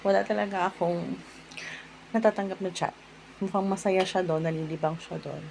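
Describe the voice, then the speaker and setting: A woman's voice: lowish voice, fairly even intonation, normal speed, gravelly, darkish tone, slight background noise. A young woman vlogging from her bedroom, chatting casually and ranting in an exasperated way. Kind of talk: casual vlog chat. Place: home bedroom.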